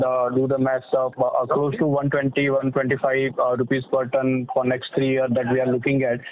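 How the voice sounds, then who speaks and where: A man asking questions as a financial analyst on an earnings call, polite and halting, often repeating words. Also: medium pitch. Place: telephone conference call. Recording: dry, narrow phone line.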